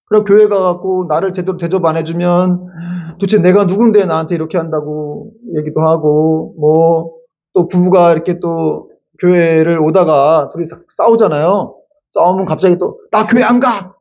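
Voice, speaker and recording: A male pastor giving a lively Sunday sermon, acting out quotes and adding casual asides to the congregation. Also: a little high, normal speed, dull audio. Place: church sanctuary.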